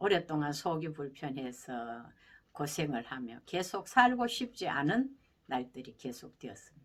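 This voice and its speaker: A woman with a very deep, low pitch, very wide pitch swings and a very slow pace. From Gyeongju, Gyeongsang region, South Korea. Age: 70s. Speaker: pastor, evangelist. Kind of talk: testimony.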